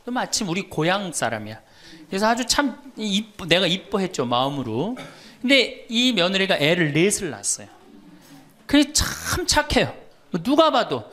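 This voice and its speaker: A man's voice: high-pitched, sing-song, normal speed, a bit bright. A middle-aged man, a Catholic priest, giving a humorous lecture and telling stories to an audience. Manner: storytelling, quoting others, teasing the audience.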